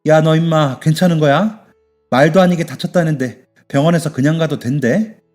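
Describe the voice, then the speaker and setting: A man's voice: on the high side, moderate pace, a little mellow, faint music behind, voice pushed up, lightly acted. A man voicing a blunt but kind middle-aged male shop owner who talks to his young worker like a father in a radio story. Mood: gruff caring.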